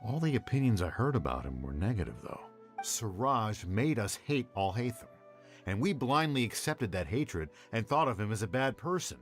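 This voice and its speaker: A man's voice: on the low side, big pitch swings, moderate pace, soft background music. An actor playing a sober, guilt-ridden male scholar in a video game, serious and reflective. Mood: guilty reflection.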